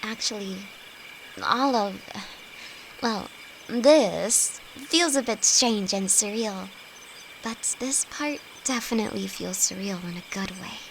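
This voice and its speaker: A woman's voice: mid-range voice, animated, vocal fry. A woman playing a timid, affectionate young apprentice alchemist in an intimate fantasy audio roleplay, speaking hesitantly to her best friend. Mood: tender, dazed. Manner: hesitant, halting, soft-hearted. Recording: noisy, with night insects behind. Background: crickets and night forest ambience.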